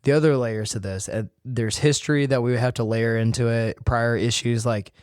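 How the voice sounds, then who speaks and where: A man hosting his own podcast and talking casually to listeners, his voice a little hoarse from illness. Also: mid-range voice, steady tone, moderate pace, dry recording, clean studio sound. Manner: conversational, addresses listeners directly. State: voice worn from illness, slightly hoarse. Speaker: podcast host and physical therapist. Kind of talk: solo podcast talk.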